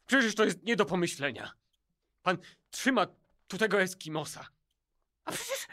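An actor plays a self-important gentleman customer in a children's radio play. He speaks in an affected, fussy way, with clear piano music behind him. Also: very high-pitched, exaggerated voice.

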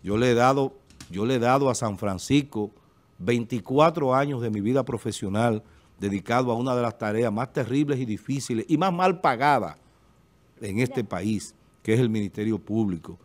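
Seated at a desk microphone in a TV studio, a middle-aged Dominican man gives emphatic political commentary as a panelist on a local talk show. He speaks Dominican-accented Spanish in a mid-range voice at a moderate pace, gesturing with his hands and repeating "eh" as a filler.

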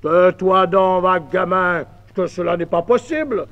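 A man's voice: high voice, lively intonation, a little slow, in a large hall. A man voicing a proud, boastful master blacksmith who talks in a pompous, blustering way, on an old mono record. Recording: dull 1950s mono record.

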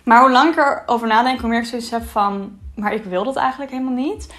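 A young woman speaks in a slightly high voice. She talks casually, like girl talk in a vlog, while she eats, so her mouth is sometimes full as she speaks. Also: fairly quick, a bit bright. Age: 20s. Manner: talking while eating, at times with mouth full. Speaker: vlogger. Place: small bright room indoors, seated at a table.

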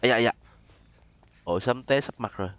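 Southern Vietnamese man, clear voice, dull recording. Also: mid-range voice, fast talker, fairly bright tone, dry recording. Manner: chatty, exclamatory, addresses viewers often. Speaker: gaming YouTuber host. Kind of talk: casual gameplay commentary with role-play.

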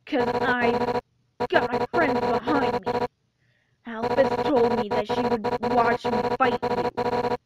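A woman voicing a fierce, wounded monster warrior heroine from a video game, halting and strained yet determined and defiant. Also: fairly high pitch, animated, dull audio, crowd noise. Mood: stubborn hope. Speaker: amateur voice actor. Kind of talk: dramatic video game character voice reel.

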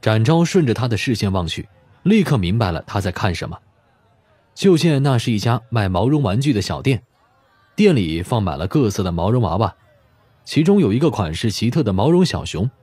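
A man's voice: fairly low pitch, sing-song, a little fast, darkish tone, breathy edge, no echo. A man reading a detective audiobook as a scripted narration. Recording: music behind the voice.

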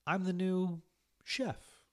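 A man's voice: high voice, little pitch movement, takes it slowly, pitched above the performer's own voice. A man voicing a feisty young woman cook in a story, pert and defiant. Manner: pert, sassy.

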